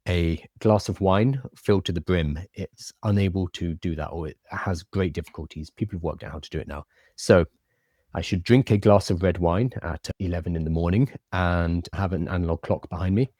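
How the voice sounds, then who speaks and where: A man with a deep, mellow voice hosts a casual live stream in a very dry-sounding space. He has a slight lisp and cannot say his R's, so they come out like w's. He talks informally, as if answering viewers. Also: moderate pace, dry recording.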